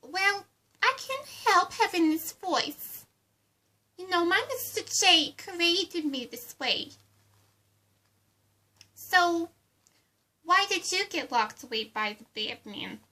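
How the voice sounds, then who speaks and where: A woman playing a giddy, childlike clown villainess with a high, girlish voice and cutesy, singsong delivery in an amateur roleplay. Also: expressive, takes it slowly, long pauses, pushed and bright, exaggerated voice. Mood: indignant, nosy. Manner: cutesy, singsong, pet-name-dropping.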